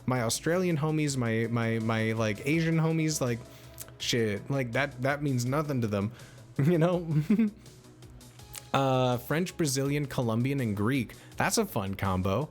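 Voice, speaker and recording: A relaxed man in casual chat with his viewers, his voice sitting at an ordinary middle pitch. He talks loosely and keeps circling back with fillers and restarts, peppering everything with bro and homie. Soft music plays quietly behind him. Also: a little slow. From United States. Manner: slangy and laid-back, often saying bro and homie; rambling, with many fillers and restarts. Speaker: livestreamer.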